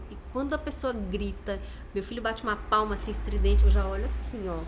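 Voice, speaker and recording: In a space with audible room echo, a woman speaks at a moderate pace. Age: 40s. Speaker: mother and book discussion guest. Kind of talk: casual chat. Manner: soft-spoken.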